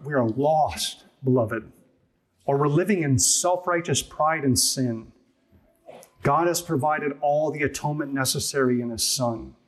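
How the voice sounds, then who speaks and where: A man pastor preaching an earnest sermon, emphatic and full of rhetorical questions. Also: fairly high pitch.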